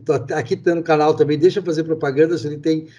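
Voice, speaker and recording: A man's voice: a little high, steady tone, rapid-fire, dark tone, slightly rough, highs cut off. A man hosting an interview, telling local history in a loose storytelling way. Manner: storytelling, many fillers and restarts. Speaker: host. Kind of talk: conversational interview.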